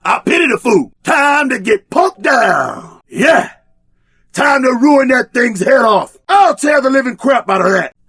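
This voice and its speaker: Brash, high-pitched tough-guy game sidekick. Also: sing-song, measured pace, fairly bright tone, slightly rough, dry recording, clean studio sound, heavily acted. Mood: fired-up taunting. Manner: bombastic, streetwise, taunting. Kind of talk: exaggerated video game combat barks.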